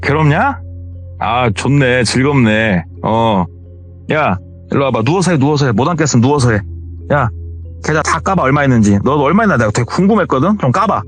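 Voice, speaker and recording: A ruthless young male car salesman who speaks in a cursing, taunting way, as a male storyteller puts him on. His voice sits at a middle pitch but swings widely, sounding menacing in a told horror story. Faint music plays behind him. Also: expressive, moderate pace, natural voice.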